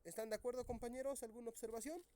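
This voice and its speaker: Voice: medium pitch, fairly even intonation, racing. Teacher thinking aloud through exam answers. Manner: reads options aloud, thinks out loud. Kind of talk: classroom exam review.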